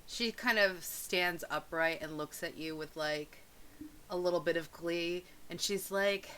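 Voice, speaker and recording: A woman's voice: on the low side, measured pace, fairly bright tone. A woman playing a tabletop game, narrating her character in a playful, descriptive way. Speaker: player.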